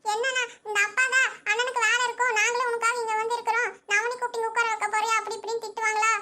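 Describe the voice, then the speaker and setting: A woman playing a sobbing young village sister in a cartoon, with a childlike whimper. Her voice is squeaky-high and bright, and she talks quickly in a flat, sing-song line. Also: slight background noise. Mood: tearful. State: crying, sobbing. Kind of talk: cartoon voice acting.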